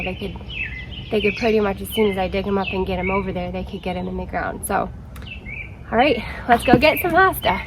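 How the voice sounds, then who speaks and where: A woman vlogging in her garden, chatty and excited, a little out of breath as she rambles. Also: medium pitch, background noise. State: slightly out of breath. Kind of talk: casual vlog chat. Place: outdoors in a shade garden.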